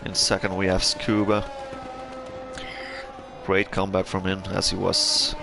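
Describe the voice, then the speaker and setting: A man's voice: sits low, monotone, unhurried, vocal fry. A young man with a Belgian accent commentating an online sim race, hesitant with many fillers and restarts. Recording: game engine noise and loud music behind. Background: engine noise and music.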